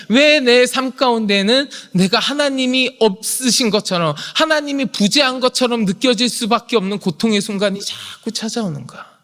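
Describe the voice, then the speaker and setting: A male pastor preaching a sermon, swinging from hushed whispers to shouted proclamation. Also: very high-pitched. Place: church sanctuary. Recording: long hall reverb.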